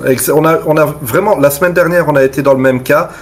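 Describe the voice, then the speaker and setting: A man's voice: fairly high pitch, fast. A man taking part in a tabletop role-playing game, reasoning aloud in casual, colloquial talk.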